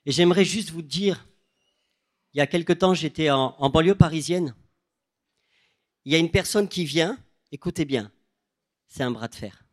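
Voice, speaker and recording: A young man from the south of France with a southern French accent, preaching a sermon and telling stories with lively quoted voices. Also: on the high side, normal speed, pauses often, no room sound, studio quality. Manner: animated storytelling, quoting people in changed voices.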